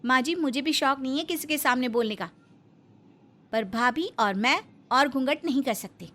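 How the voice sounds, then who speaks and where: A woman's voice: high voice, animated, moderate pace, fairly bright tone, soft background music. A woman voicing an outspoken young daughter-in-law in a cartoon, pleading and defiant.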